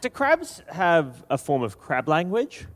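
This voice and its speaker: A man's voice: on the high side, huge pitch swings, unhurried. A man playing a tabletop game, chatting in casual improvised banter.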